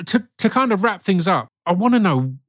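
A man's voice: high-pitched, sing-song, normal speed, a bit bright. A man with a stammer who repeats sounds and words, talking casually and earnestly as an actor hosting an interview.

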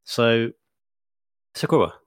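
A man's voice: medium pitch, big pitch swings, slow pace, no room sound, clean studio sound. A man co-hosting a podcast, telling rambling stories full of fillers and sounding a bit sniffly. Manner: rambling, chatty storytelling with many fillers. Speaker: podcast co-host. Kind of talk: casual chat.

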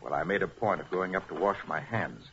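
Confident radio detective, really low voice, muffled old recording. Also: male voice, a bit bright, a little hiss or hum. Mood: shrewd, assured. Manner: brisk, commanding, self-assured. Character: confident, shrewd male master detective. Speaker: actor. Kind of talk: 1940s radio acting.

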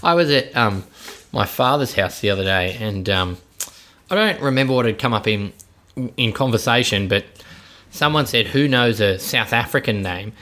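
A man's voice: on the low side, animated, normal speed, bright, forceful tone. An Australian man co-hosting a podcast, chatting casually in a jokey way. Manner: jokey, laughs easily. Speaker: podcast co-host. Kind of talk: casual comedic banter.

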